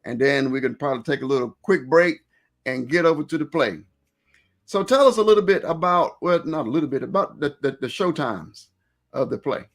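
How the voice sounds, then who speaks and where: Higher-pitched man hosting casually. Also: expressive, a little fast. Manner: informal, rambling, repeats phrases. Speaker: live stream host. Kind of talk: casual interview chat with event plugs.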